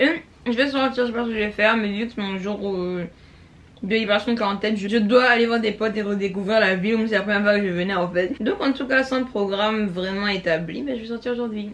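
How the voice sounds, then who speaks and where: Over noticeable background noise, a woman talks very fast at a fairly high pitch with fairly even intonation. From Ivory Coast. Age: young. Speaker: language student. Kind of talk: casual vlog talk to camera. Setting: background train noise.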